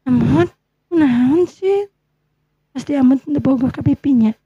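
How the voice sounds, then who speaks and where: A woman's voice: sits high, expressive, a little slow, no room sound. A woman playing a coy, pouting young woman in love, teasing and insistent, with a Sundanese accent, in an audio story. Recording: muffled, lo-fi recording.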